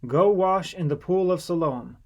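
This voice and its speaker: A man voicing a calm, solemn male teacher in a scripture audiobook, speaking in a measured way. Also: sits high, pitched above the performer's own voice.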